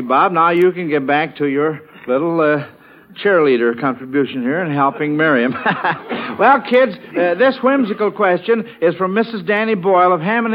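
A man hosting a 1940s radio quiz show in a halting, folksy way, often stammering through false starts. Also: high voice. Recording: muffled, noisy old radio broadcast.

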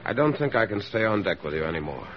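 A teasing young lieutenant. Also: male voice, lowish voice, very animated, fast. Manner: teasing, gentle. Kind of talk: 1940s radio acting. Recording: dull old radio recording with faint hiss.

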